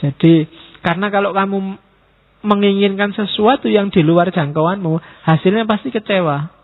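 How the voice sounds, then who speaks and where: A man's voice: sits high, normal speed. A man giving a casual, teasing philosophy lecture to students at a mosque. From Indonesia. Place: mosque hall. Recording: tinny phone-like sound.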